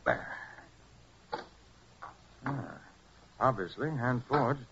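An actor playing a brisk, confident American master detective in a 1940s radio drama, speaking with crisp authority. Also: male voice, mid-range voice, expressive. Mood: methodical. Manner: crisp, authoritative, matter-of-fact. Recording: muffled, hissy 1940s radio recording.

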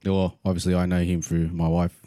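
A man hosting a casual chat, relaxed and brief as he asks questions. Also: sits low, brisk, dry recording, clean studio sound. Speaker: host.

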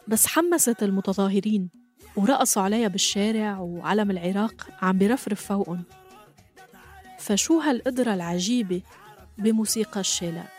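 A woman hosting a podcast, narrating from a script in a calm, explanatory way. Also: medium pitch. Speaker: podcast host.

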